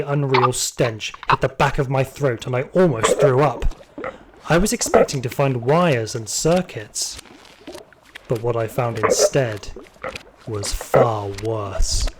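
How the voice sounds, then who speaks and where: A man's voice: medium pitch, husky. A man playing a terrified security guard, narrating his ordeal urgently and theatrically in an audio drama.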